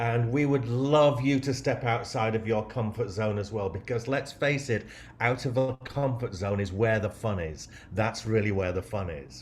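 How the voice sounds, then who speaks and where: Music plays in the background as a man talks at a moderate pace with an English accent. His medium pitch has ordinary pitch variation. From England. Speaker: personal coach, improv performer. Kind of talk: casual introduction at online improv show. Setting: online video call with audience.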